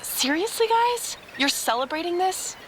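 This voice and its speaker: A woman's voice: very high voice, expressive, measured pace, a bit bright, slight background noise, full character voice, low-quality recording. A woman playing a sceptical, reluctant superheroine in an audio drama, with an exasperated, protesting manner. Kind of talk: fiction podcast acting.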